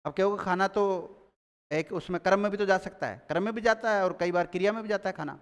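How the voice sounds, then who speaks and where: A man's voice: sits high, fast, smooth, in a large hall. A man teaching a grammar class, quizzing his students and repeating key words as they take notes.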